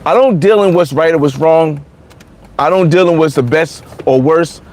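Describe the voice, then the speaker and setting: Blunt forty-something man, high voice. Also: normal speed, darkish tone. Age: 40s. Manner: blunt, repetitive, many restarts. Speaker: vlogger. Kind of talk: casual livestream chat reading comments.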